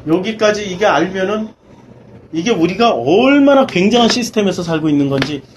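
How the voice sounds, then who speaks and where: A high-pitched male pastor leads a church Bible study, teaching emphatically with question after question and mixing casual and polite speech. His intonation is lively, his pace a little fast, and he swings between loud and quiet. The audio is poor, with faint background noise throughout.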